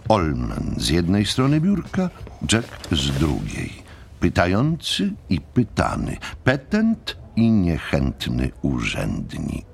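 A man narrating an audiobook drama with measured, deliberate phrasing. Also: very deep voice, gravelly, slightly rough.

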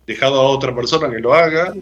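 Bright-voiced Rioplatense host. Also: male voice, medium pitch, quick pace, muffled recording. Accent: Rioplatense Spanish. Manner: short amazed interjections. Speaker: radio host. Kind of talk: interview.

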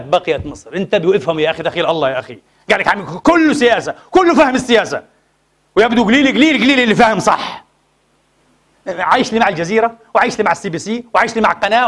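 A man's voice: high-pitched, fairly bright tone. A man preaching a Friday sermon in a mosque, impassioned and full of rhetorical questions to the congregation.

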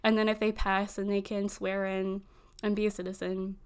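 A woman's voice: medium pitch, level tone, smooth. A woman in her early twenties, a native Filipino speaker who grew up in Virginia, rambling casually and filling her talk with "like". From Virginia, United States. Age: early 20s. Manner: rambling, fills every pause with "like". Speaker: conversation partner. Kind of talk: casual chat.

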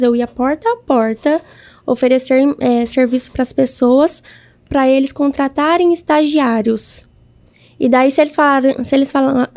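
A woman's voice: sits high, mellow. A woman, a guest entrepreneur, telling her story in a casual interview and acting out her own past words.

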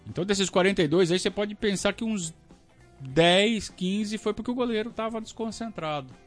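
A Brazilian man hosting a casual live stream, talking to his audience in an animated, ranting way. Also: high voice, normal speed, soft background music. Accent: Brazilian Portuguese. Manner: animated, talks to the audience, rants and self-questions. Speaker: podcast host reading superchats. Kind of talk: casual live-stream chat about football.

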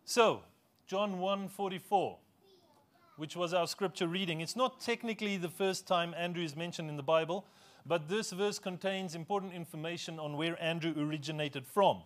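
A man with a slightly high voice, a native Afrikaans speaker, preaches to his congregation. He talks in a loose, conversational way, joking at his own expense and asking the people in the pews questions. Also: moderate pace. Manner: conversational, self-deprecating humor, asks congregation questions. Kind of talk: sermon. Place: church.

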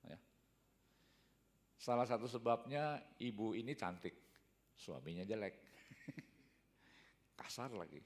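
Older man, low pitch, lively swooping intonation, rambling anecdotal talk, long hall reverb. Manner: rambling, fills pauses with a tag "ya". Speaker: speaker giving a talk.

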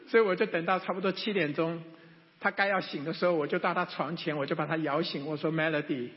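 High-voiced man preaching in a hall. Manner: storytelling, rising to fervent prayer. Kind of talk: sermon testimony. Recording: dull echoey hall.

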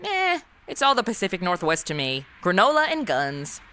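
Casting: flippant modern young woman played by an actress, lively swooping delivery, bright tone, wisecracking audio-comedy sleuth. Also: lowish voice, normal speed, exaggerated voice. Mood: breezy, distracted. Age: 20s. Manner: sarcastic, breezy, easily sidetracked. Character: flippant modern twenty-something woman playing amateur detective. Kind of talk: comedy audio drama, wisecracking first-person narration.

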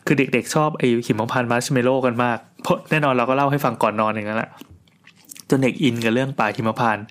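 A middle-aged man casually telling a long personal story in a chatty, rambling way, with restarts and crude asides. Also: mid-range voice.

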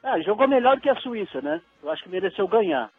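A man in his forties phones in to a show, his high voice thin and husky down the line. The sound is dull and lo-fi, squeezed through a telephone. He talks in a friendly, opinionated way. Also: sing-song, quick pace, dry recording, faint music behind. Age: 40s. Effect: over the phone. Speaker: caller. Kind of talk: casual call-in chat.

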